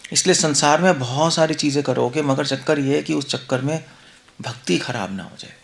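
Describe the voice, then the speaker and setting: Speaking at a moderate pace in a high, creaky voice, a male monk leads a conversational scripture class. His devotional lecture mixes Hindi and English, and he asks the audience rhetorical questions.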